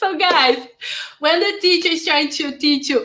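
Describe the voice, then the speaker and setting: A woman with a Portuguese accent speaks in a raised, projected voice, bright and sharp in tone, with ordinary pitch variation. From Brazil. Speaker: English teacher. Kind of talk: online live class. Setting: live stream. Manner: halting, many fillers.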